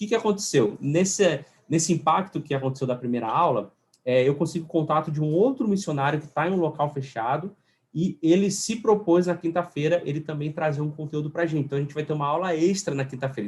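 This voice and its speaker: Lively in intonation, a man's fairly high voice moves at a fairly quick pace. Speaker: online course instructor for missionaries. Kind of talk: live online class. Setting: live stream. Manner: fast; animated.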